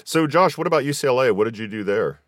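A man's voice: medium pitch, animated, fast talker, no echo, studio quality. A man hosting a casual interview, asking questions in a conversational way. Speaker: podcast host interviewer.

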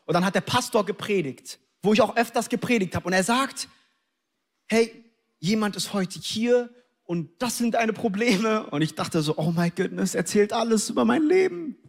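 A young adult male preacher from Germany delivers an animated sermon in a fairly high voice. He tells personal stories, acts out the scenes and sprinkles in English interjections.

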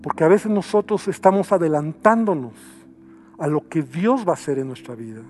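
A man's voice: on the high side, expressive, moderate pace, darkish tone. A male pastor preaching a sermon, acting out quoted voices as he goes.

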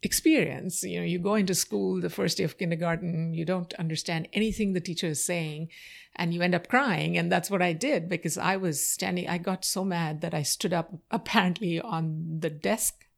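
A woman from India whose first language is Marathi reflects on her life and career as an interview guest, answering thoughtfully with many pauses and fillers. Her voice is on the low side and gravelly.

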